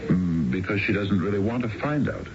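An actor playing a wealthy, unfaithful middle-aged businessman in a radio drama, smooth and self-assured but halting, with a genteel, gravelly delivery. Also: lowish voice, lively intonation, music in the background, lightly acted. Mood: smooth, matter-of-fact. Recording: muffled, noisy old radio broadcast.

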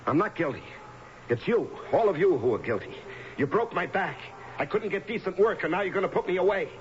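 Embittered, accusing convict, very high voice, muffled radio drama. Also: male voice, expressive, brisk. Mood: bitter, defiant. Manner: impassioned, accusing. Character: bitter, wronged male prisoner, defiant. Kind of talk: 1970s radio drama acting. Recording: muffled, lightly hissy 1970s radio recording.

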